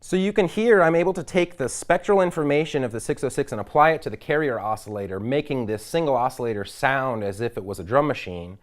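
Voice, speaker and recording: A man giving an instructional demonstration as a product presenter, explaining in measured phrases. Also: medium pitch. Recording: loud drum machine and synthesizer behind. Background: drum machine and synthesizer sounds.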